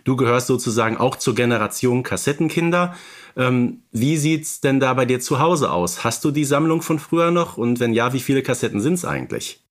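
A man's voice: medium pitch, lively intonation, a little fast. A man hosting a podcast, interviewing his guests in a casual, chatty style. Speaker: podcast host.

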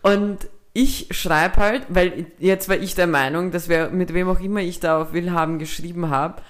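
A woman's voice: lowish voice, fairly even intonation, normal speed. A young woman with a Viennese Austrian accent, co-hosting a podcast. She tells a story in casual chat, swears freely, drops English slang and acts out both sides of the dialogue. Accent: Viennese Austrian German. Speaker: podcast co-host.

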